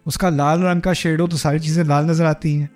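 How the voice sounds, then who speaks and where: A man's voice: a little high, flat delivery, a little fast, a little mellow, soft background music. A man giving a conversational religious lecture, explaining patiently and quoting Quranic Arabic. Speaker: Islamic lecturer.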